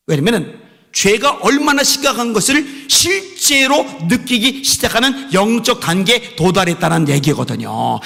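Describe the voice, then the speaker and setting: Impassioned high-voiced preacher, gravelly. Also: male voice, long reverb tail. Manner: impassioned preaching with swings between soft pleading and raised exhortation. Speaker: pastor. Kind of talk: sermon.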